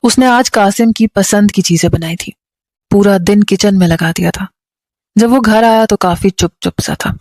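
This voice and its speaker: Even-voiced woman storyteller, dry and close. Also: mid-range voice, dry recording. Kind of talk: narrated moral romance story.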